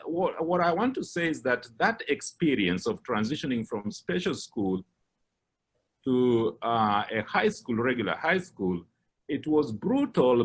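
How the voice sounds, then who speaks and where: A middle-aged man with a Kenyan English accent, giving a personal account as a guest speaker, measured and pausing with frequent fillers. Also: mid-range voice, breathy edge. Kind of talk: personal account in a lecture talk.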